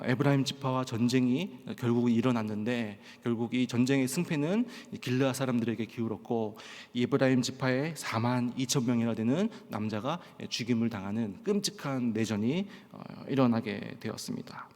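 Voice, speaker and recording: Preaching at a Friday prayer meeting, this male pastor from Pohang in South Korea fills his storytelling with frequent "예" ("yes") fillers and acted-out quotes. He has a mid-range, a little mellow voice and speaks standard Korean after losing his Gyeongsang dialect. Long reverb from the church sanctuary hangs on the recording.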